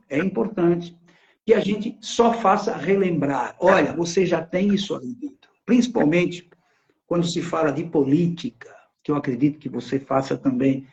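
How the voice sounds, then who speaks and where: Middle-aged Brazilian male host-coach, high voice, colloquial and instructive, slightly muffled stream audio. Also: a little mellow. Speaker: host and public-speaking coach. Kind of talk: casual live-stream conversation with teaching.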